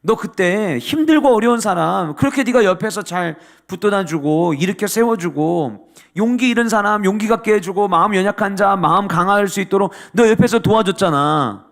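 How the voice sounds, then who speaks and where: A man's voice: sits high, moderate pace. A male pastor voicing a reproachful older friend who lectures with scolding rhetorical questions.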